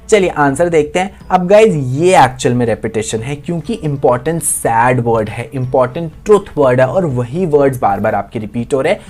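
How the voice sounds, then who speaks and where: Male online tutor, quiz-style delivery, repeats points, soft music bed. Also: on the high side. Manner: quizzing students, repeats points, frequent check-ins. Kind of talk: exam-prep lesson.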